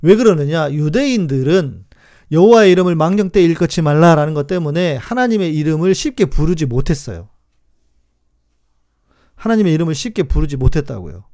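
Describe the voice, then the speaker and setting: A middle-aged man pastor talks to his live-stream viewers in a somewhat high, gravelly voice. He is chatty and emphatic, hammering key words again and again and answering comments as they come in. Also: animated, brisk, warm tone. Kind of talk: live-streamed teaching talk.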